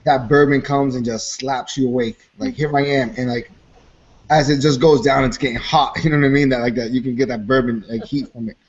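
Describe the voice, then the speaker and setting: A man's voice: mid-range voice, fairly even intonation, a little fast, dull audio. A man describing a beer on a video call, rambling with many fillers. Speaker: co-host. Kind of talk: casual beer tasting chat.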